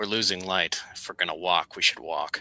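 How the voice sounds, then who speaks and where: A man performs a put-on character voice in a solemn tone. The sound is dry and close, without echo. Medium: actual play. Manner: formal, solemn, terse.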